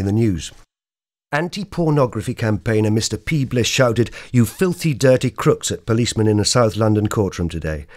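A man's voice: fairly low pitch, darkish tone. A man presenting like a radio host, reading scripted comic news items.

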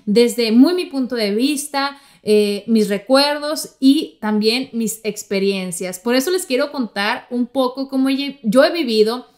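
A woman's voice: a little high, a little slow, few pauses. A woman from Mexico with a Mexican accent, hosting a podcast and telling stories in a chatty way, talking straight to her listeners. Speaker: podcast host. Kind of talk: casual podcast monologue.

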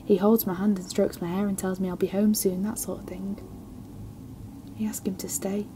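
An actress playing an injured, desperate research scientist with a blunt, sharp tongue and urgent manner in an audio drama. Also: female voice, medium pitch, flat delivery, normal speed, background noise, close to an everyday voice. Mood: hushed, haunted.

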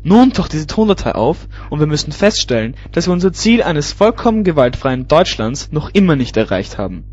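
A man's voice: on the high side, sing-song, normal speed, few pauses, a little mellow. A man playing an earnest, self-important youth-protection official giving a formal statement in a cartoon satire. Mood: solemn, pompous. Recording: muffled, faintly noisy home recording.

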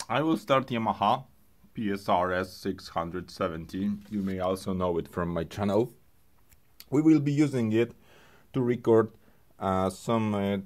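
A man who speaks English as a second language, presenting an unscripted hands-on music gear tutorial in a halting way, thinking aloud. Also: lowish voice. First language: not English.

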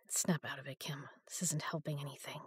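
A woman voicing a frightened prisoner in a sci-fi audio drama, weary and hushed, breaking into frantic pleading when she is left behind. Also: sits low, flat delivery, normal speed, slightly rough, dry recording, clean studio sound. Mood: hushed despair.

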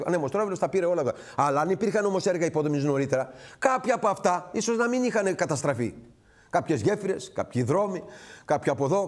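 A man's voice: high voice, darkish tone. A middle-aged man hosting a TV current-affairs show, delivering an indignant political monologue full of rhetorical questions and long lists. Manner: indignant, rhetorical, repetitive lists and direct address. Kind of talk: impassioned political commentary monologue.

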